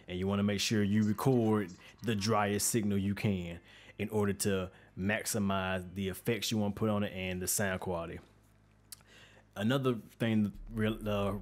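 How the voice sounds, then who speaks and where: A man with a deep, bassy voice hosting an informal, conversational tutorial in slangy everyday speech, recorded close on a studio microphone. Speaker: music production tutorial host. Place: untreated home studio room with reflection filter. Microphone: studio microphone with pop filter, close up.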